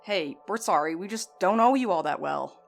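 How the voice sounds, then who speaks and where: Actress as concerned, gently questioning woman, music behind. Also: fairly low pitch, expressive, normal speed, gravelly. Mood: doubtful, conciliatory. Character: concerned, doubtful but conciliatory friend, a woman. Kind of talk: audio drama acting, conversational.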